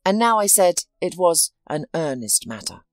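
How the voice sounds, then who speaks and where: A woman voicing a steady, helpful male friend, speaking calmly and reassuringly in a storybook reading. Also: fairly low pitch, moderate pace, no room sound, studio quality, soft background music. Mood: matter-of-fact.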